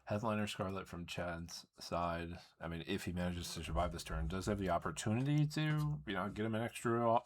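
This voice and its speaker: A man's voice: deep voice, fairly quick, few pauses, slight background noise. A man commentating a card game in casual chat, thinking aloud and explaining his reasoning.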